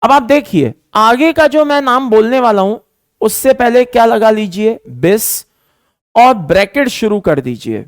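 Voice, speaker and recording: Guy teaching chemistry, hindi english mix, talks slow and spells out terms, super dry sound. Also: very high-pitched, lively intonation, dry recording. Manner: slow dictation, repeating terms for students to write; calls students "beta", patient and explaining. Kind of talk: online lecture mixing Hindi and English.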